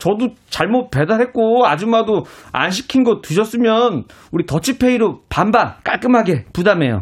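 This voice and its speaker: At a moderate pace, a man with a high pitch uses lively intonation and a playful tone, keeping his loudness very even. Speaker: comedian. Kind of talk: casual chat.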